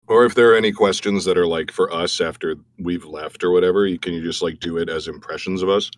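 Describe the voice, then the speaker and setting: A man's voice: sits low, fairly even intonation, fast talker. A man who voices cartoon characters, a guest on a livestream panel, making dry joking asides. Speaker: voice actor guest. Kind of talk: casual panel chat.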